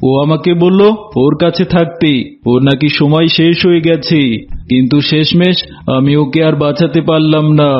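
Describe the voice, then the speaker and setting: A man voicing a sly, boastful, villainous tiger in an animated fable, theatrical in manner. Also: on the high side, normal speed, close to an everyday voice. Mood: feigned sorrow, pleading. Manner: gloating, theatrical, with villainous cackles. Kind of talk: Bengali animated fable voice acting. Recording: dull lo-fi audio with music.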